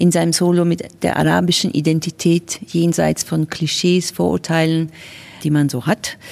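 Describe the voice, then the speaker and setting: A woman with a Turkish accent talks at a moderate pace in a fairly low pitch. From Turkey (Ankara). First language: Turkish (speaking German). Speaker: dance curator and choreographer. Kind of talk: interview.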